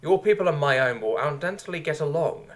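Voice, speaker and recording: A man's voice: fairly high pitch, animated, fairly quick, voice pushed up, lightly acted. A man voicing a proud, warlike great white shark leader who speaks formally and solemnly in a story.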